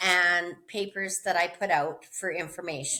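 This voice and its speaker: A woman's voice with a bright, sharp tone. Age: 60s. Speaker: author. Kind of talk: interview.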